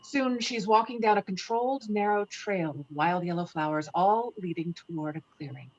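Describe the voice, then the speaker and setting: A woman's voice: lowish voice, moderate pace, darkish tone. A woman reading stage directions as narrator of a screenplay table read, on slightly muffled online call audio.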